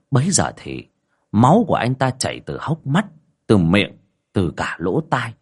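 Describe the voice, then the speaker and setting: A man narrating a ghost story in a dramatic, expressive way. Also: on the low side, breathy edge. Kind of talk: scripted horror story narration.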